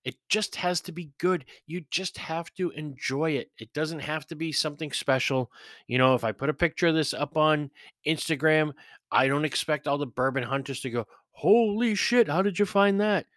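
A man's voice: a little high, steady tone, normal speed, bright, forceful tone, dry recording, clean studio sound. A man hosting a podcast, giving a blunt, chatty whiskey review with profane, mocking asides. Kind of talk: casual spoken review.

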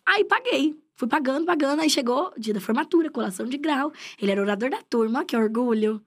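A young woman with a high, quick voice tells a personal story in casual chat. She jumps between narrating and acting out the people in it, keeping a lively storyteller's rhythm. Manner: animated storytelling with quoted voices. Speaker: guest storyteller.

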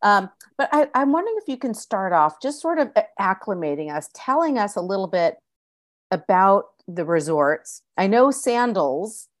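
A woman's voice: medium pitch, sing-song, moderate pace, dry recording, studio quality. A woman from California hosting a podcast interview, chatty and playfully self-mocking. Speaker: podcast host.

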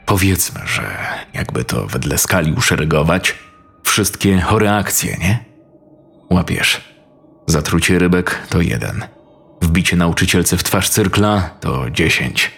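Coarse conspiratorial buddy, man's own low voice, unhurried. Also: lively intonation, vocal fry, a bit bright, slightly rough, soft background music, exaggerated voice. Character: young man, scheming old school friend.

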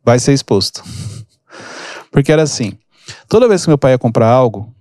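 A man's voice: medium pitch, very animated, moderate pace, darkish tone, no echo, studio quality. A man hosting a podcast, explaining emotional triggers through casual stories and acting out the people in them. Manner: storytelling, acts out quoted people. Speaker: podcast host and mentor. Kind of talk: casual teaching chat.

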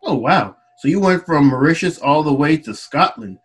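A man's voice: a little high, expressive, normal speed, breathy edge. A man interviewing a guest in a casual, conversational style.

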